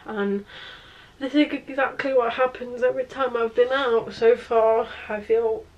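A young woman vlogging at home, tired and in pain, talking in halting phrases with sighs. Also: fairly high pitch, fairly even intonation, highs cut off. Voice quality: hoarse morning voice. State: in pain and exhausted. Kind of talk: casual vlog to camera. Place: at home, indoors. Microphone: phone camera held close.

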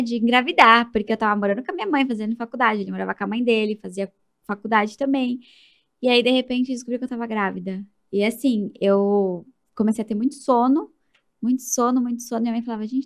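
A Brazilian woman in her thirties, a podcast guest, telling a story in an animated way and acting out the people in it. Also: on the high side. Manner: animated, acts out quoted voices. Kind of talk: casual storytelling interview.

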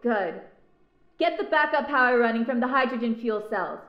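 An actress playing a curt, commanding doctor in charge in an audio drama. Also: female voice, on the high side, animated, normal speed. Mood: urgent. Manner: curt, authoritative. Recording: muffled, echoey.

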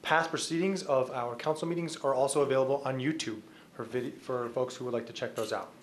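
A middle-aged American man presides over a formal council session. His voice is mid-pitched and procedural, picked up in a chamber with faint background noise. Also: fairly even intonation, brisk. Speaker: council president chairing a meeting. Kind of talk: formal meeting facilitation. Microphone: desk microphone. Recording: background noise in meeting room.

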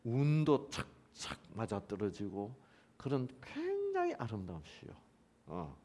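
A man's voice: mid-range voice, measured pace. A middle-aged man giving a church lecture on the Bible, questioning the audience and joking as he goes. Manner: lively, questions the audience, jokes and laughs.

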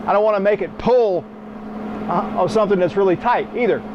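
A man's voice: high voice, a little fast, muffled recording, noisy background. A middle-aged man giving a hands-on welding tutorial in a small workshop, blunt and folksy, working the machine as he talks. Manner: demonstrating at the machine while talking. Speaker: welding instructor.

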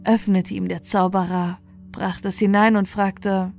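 A woman's voice: mid-range voice, little pitch movement, a little slow, creaky, darkish tone. A woman storyteller narrating a bedtime fairy tale. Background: faint music.

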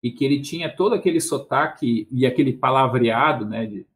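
He's a guest in a debate, a man in his fifties from southern Brazil whose Brazilian Portuguese carries a Porto Alegre accent. With a medium-pitched voice at a fairly quick pace, he rambles and chuckles on a casual headset video call, often adding tag questions.

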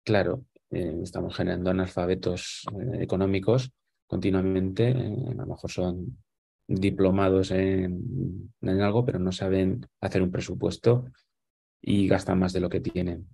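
Guy in his 40s, deep and mellow, lots of ehs and restarts, webcam call. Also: steady tone, moderate pace, creaky, husky. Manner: thoughtful, explaining with many fillers and restarts. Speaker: guest. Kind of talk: casual conversation on a video call. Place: small room at home. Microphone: webcam on a video call.

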